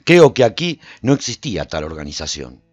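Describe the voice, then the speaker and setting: A man playing a solitary, reflective survivor who recounts his travels in measured, theatrical radio drama narration. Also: fairly low pitch, big pitch swings, dry recording, highs cut off. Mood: observant, reflective. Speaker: narrator and lead actor of a radio serial.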